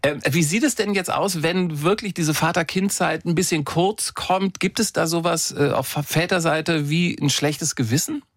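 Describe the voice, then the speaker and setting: Higher-voiced male radio host, dry studio. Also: moderate pace, few pauses, no echo. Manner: conversational, hesitant fillers, reflective. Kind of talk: radio talk show.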